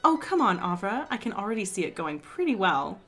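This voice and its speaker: A woman's voice: mid-range voice, sing-song, brisk, a bit bright, soft background music. A woman playing a teasing, pushy, upbeat best friend in a fiction podcast, talking casually and playfully. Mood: teasing, encouraging.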